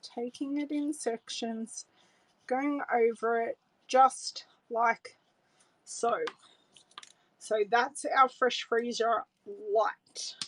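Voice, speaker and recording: A woman's voice: a little high, drawn-out words, slight background noise, rough recording. Chatty Australian woman crafting live. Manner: chatty, relaxed, thinks aloud while working. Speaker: card-making demonstrator. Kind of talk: live craft tutorial with viewer greetings. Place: home craft room, indoors. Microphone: overhead camera setup, hands on desk.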